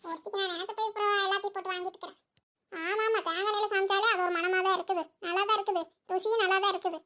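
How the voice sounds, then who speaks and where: High-pitched, bright, rapid cartoon village woman. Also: steady tone. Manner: chatty, scolding village banter. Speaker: voice actor playing several village women. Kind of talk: cartoon voice acting.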